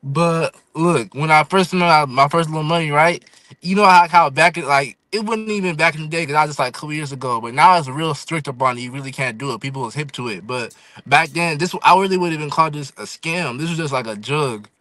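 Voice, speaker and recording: A man's voice: fairly high pitch, a little fast, pushed and bright, no echo, rough recording. A young man of eighteen, talking loosely as a podcast guest and saying "you feel me" again and again. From Fresno, California and Houston. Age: young adult. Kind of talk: casual podcast chat.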